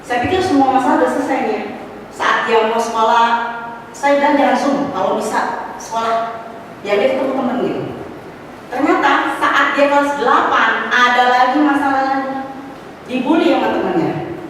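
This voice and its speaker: A middle-aged woman shares a personal testimony in a church hall, her storytelling animated and peppered with casual asides. Her voice sits a little high and carries a slight cough. She sounds distant from the mic, with long reverb and a faint hum of room ambience. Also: normal speed, long pauses. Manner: animated storytelling, rising to exclamations; mixes in casual slang and english words. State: has a cough. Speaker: testimony speaker at a church fellowship. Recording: echoey hall, voice from far off.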